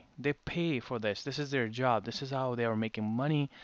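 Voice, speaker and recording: Against a quiet background, a man with a non-native accent speaks at a fairly quick pace with a dry, close sound and no echo. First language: not English. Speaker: IT trainer. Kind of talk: tutorial. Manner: casual, conversational.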